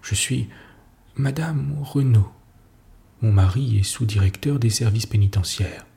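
A distraught society lady pleads her case in a breathless, emphatic rush, as a man reading a story puts her on. The voice stays slow and gravelly, with a dark, mellow tone. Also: fairly low pitch. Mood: agitated, insistent. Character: distraught, insistent middle-aged society lady.

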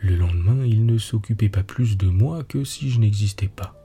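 A man narrating a storybook tale in a hushed, husky voice, lifting his voice for quoted lines. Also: lowish voice, normal speed. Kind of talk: storybook reading. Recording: soft music behind the voice.

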